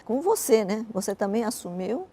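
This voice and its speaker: This interview guest, an older businesswoman who grew up in Japan as a native speaker, tells her life story reflectively and conversationally. Her warm, slightly high voice is sing-song and brisk, and she often adds "né".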